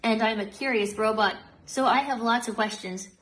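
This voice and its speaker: High-pitched female robot voice, synthetic. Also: normal speed, fairly bright tone, slight background noise, rough recording. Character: friendly social robot with a female voice. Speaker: robot answering questions. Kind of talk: scripted demo answers.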